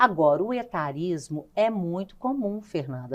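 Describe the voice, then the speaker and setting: A woman's medium-pitched voice comes through at a very slow pace. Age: 60s. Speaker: journalist and writer. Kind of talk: interview conversation.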